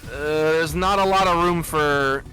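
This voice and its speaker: A man giving analytical play-by-play commentary on a competitive video game match, steady and full of "uh" fillers. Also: a little high, unhurried, faint music behind, poor audio. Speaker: esports commentator.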